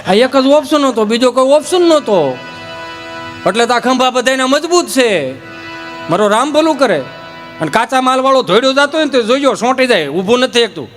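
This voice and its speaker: Brief: male comedian, highish voice, lively folk storytelling, faint music under. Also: fairly quick, in a large hall. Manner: folksy, lively, acts out village characters. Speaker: stand-up comedian. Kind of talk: folk humor storytelling on stage.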